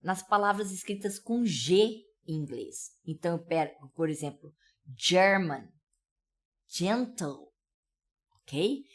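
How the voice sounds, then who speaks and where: Woman, São Paulo accent, lively and unhurried pronunciation teacher, keeps checking in. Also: fairly low pitch. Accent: São Paulo Brazilian Portuguese. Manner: explanatory, with frequent "né?" and "tá?" check-ins. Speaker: English teacher. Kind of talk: pronunciation lesson.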